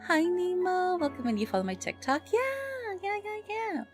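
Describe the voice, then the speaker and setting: A woman livestreamer chatting casually with viewers in a bubbly, expressive and affectionate way. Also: extremely high pitch, normal speed. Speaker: live streamer and ASMR content creator. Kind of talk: casual livestream chat with viewers, greeting them and reading messages. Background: background music.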